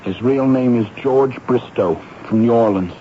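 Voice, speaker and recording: A man acting as a subdued young informer in a radio drama. He answers formally and respectfully at an ordinary pitch. Faint noise sits on the muffled recording. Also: moderate pace, close to an everyday voice. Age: young adult. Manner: formal, deferential.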